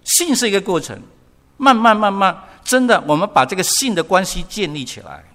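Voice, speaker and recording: A man's voice: high-pitched, expressive, fairly quick, fairly bright tone, long reverb tail. An older man preaching a sermon, often asking the congregation questions and repeating words for emphasis. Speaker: pastor.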